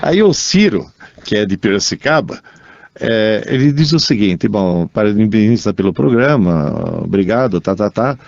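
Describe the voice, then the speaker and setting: A man with an Italian accent co-hosting a casual radio chat show, reading out listener emails in a lively, chatty way. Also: on the low side, moderate pace, gravelly, dry recording. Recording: dull, dry studio sound.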